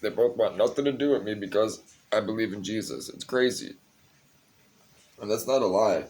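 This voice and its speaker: Deep-voiced man rambling tiredly. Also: lively intonation, moderate pace, a little mellow, slight background noise. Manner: rambling, confessional, curses freely. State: tired, a bit high. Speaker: vlogger. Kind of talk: casual personal vlog talk.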